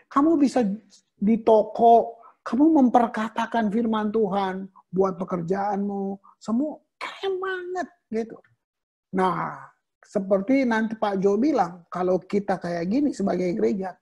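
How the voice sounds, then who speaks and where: A woman pastor giving a conversational, animated sermon over a video call, with frequent exclamations and English words mixed in. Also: mid-range voice, breathy edge.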